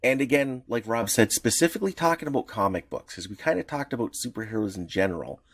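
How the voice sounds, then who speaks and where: A man co-hosting a casual podcast, explaining in a rambling, halting way full of restarts. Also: medium pitch, expressive, dry recording, studio quality. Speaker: podcast co-host.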